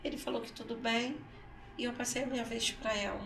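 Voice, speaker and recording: A woman with a gravelly, creaky voice tells a personal story in an interview, acting out the words of the people in it. She sits a little away from the mic in a roomy studio, with faint background noise. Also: fairly high pitch, fairly even intonation, a little fast, distant mic. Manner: storytelling, acts out her son's words, often repeats herself. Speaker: guest, mother. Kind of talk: emotional personal testimony in interview. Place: council studio.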